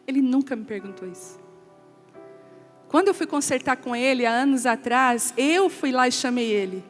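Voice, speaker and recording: A woman pastor giving an emotional testimony sermon, telling a family story and quoting relatives in a softer voice. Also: high voice, animated, moderate pace. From Brazil. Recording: long hall reverb with soft music.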